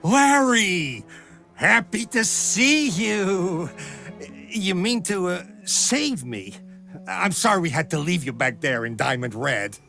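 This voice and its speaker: High, tense, panicky mercenary. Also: male voice, big pitch swings, slow, vocal fry, sharp tone, faint music behind, heavily acted. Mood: relieved, nervous. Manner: frantic, exclamatory, wary. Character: panicky, talkative, cowardly mercenary man. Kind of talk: dramatic video game acting.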